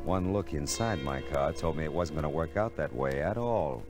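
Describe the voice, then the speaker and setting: An actor playing a wry, curious hard-boiled private eye in an old radio detective drama, with clipped, slangy delivery. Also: male voice, a bass voice, lively intonation, normal speed, music in the background. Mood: wry narrating.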